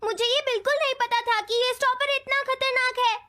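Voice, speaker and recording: A woman's voice: very high voice, fairly even intonation, a little fast. A woman voicing an anxious, helpful robot cat in a Hindi cartoon dub, speaking in urgent exclamations. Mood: encouraging. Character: high-pitched robot cat friend, anxious, helpful guide. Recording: loud music under the voice.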